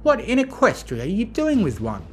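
A performer voicing a serious, cautious female unicorn who speaks in a measured, admonishing way. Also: mid-range voice, wildly swooping pitch, soft background music, voice pushed up.

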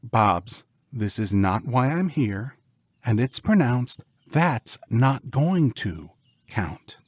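A man's voice: mid-range voice, sing-song, measured pace, dry recording, studio quality, voice pushed up. A man voicing a proper, exasperated woman schoolteacher in a storybook, with a sarcastic, correcting manner.

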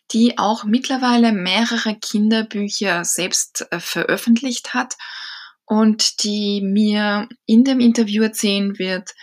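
A woman hosting a casual podcast interview, introducing her guest and reacting in a friendly way. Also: mid-range voice. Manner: friendly, warm reactions, laughs along. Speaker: podcast host.

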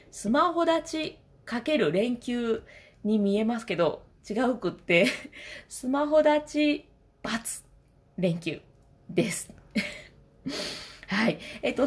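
A chatty woman. Her pitch swings widely, and she laughs often. She acts out what others said. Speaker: podcaster, mother of two. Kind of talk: casual spoken diary.

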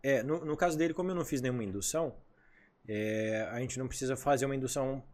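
A fast-talking man with a medium-pitched voice appears as a podcast guest; he works as a hypnotherapist. In casual conversation he spins animated stories and acts out the lines of dialogue.

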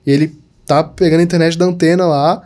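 Fast-talking and steady in tone, a young man from southern Brazil's Santa Catarina speaks in a fairly high, slightly mellow voice. He's a digital marketer appearing as a podcast guest, chatting casually with lots of "tipo" and "sabe."

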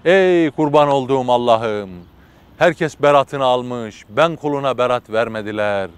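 A man's voice: mid-range voice, a little slow, clean tone, close to an everyday voice. A man voicing a poor, naive, pious weaver who speaks in a humble, pleading way. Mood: pleading prayer.

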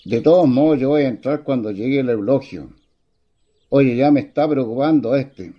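A man's voice: medium pitch, moderate pace, highs cut off, lightly acted. An actor playing a bold, easygoing young country man in a radio play, casual and teasing, with a rural Chilean accent. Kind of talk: stage-style radio play acting.

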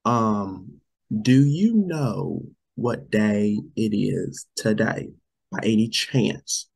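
A man's voice: on the low side, expressive, extremely slow, darkish tone. A man co-hosting a casual show, sick and losing his voice, rambling and saying "you guys" a lot. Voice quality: gravelly, husky. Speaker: podcast co-host.

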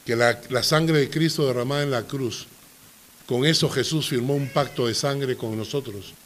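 A man's voice: mid-range voice, moderate pace, a bit bright, a little hiss or hum. A middle-aged man, a pastor teaching a Bible study, who tells stories with animation and often checks that his listeners agree.

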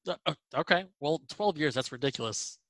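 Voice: mid-range voice, expressive, fairly quick, a crowd in the background. A host asking casual interview questions, hesitating often on fillers.

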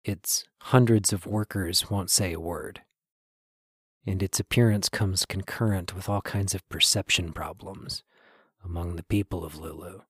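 A man with a husky, breathy voice narrating a scripted podcast introduction in a measured, earnest way. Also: sits low, fairly even intonation, fairly bright tone, no echo, clean studio sound. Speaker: podcast writer, producer and host.

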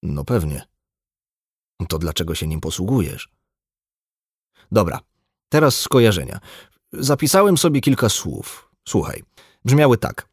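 A man voicing a blunt, embittered, drunk male doctor in an audiobook, gruff and lecturing. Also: on the low side, very animated, unhurried, pauses often, dry recording, studio quality, exaggerated voice. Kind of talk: audiobook dialogue.

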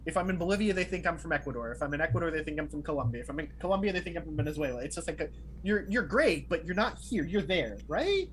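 Quick and expressive, with a slightly high, slightly bright voice, the man co-hosts a podcast in talkative, casual conversation, often saying "like" and "right?". He comes from Miami and his family is from Peru, and faint background noise sits under the recording.

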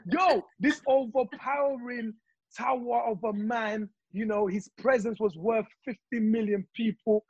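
A man from Congo talking passionately in casual chat, telling his views with animated stories. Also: very high voice, unhurried, husky, no room sound, lo-fi sound.

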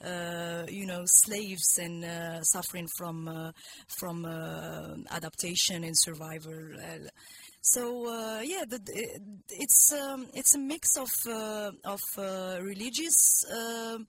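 A woman's voice: on the low side, slow pace, noisy background. A woman from Morocco whose first language is Arabic, talking hesitantly with many fillers as a singer guest in a radio studio interview.

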